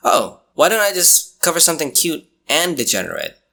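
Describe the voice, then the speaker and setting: A man's voice: a little high, huge pitch swings, fairly quick, creaky, bright, forceful tone. A man delivering comedic scripted commentary as a video reviewer, with an exaggerated, sarcastic, mock-exasperated manner. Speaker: manga review YouTuber.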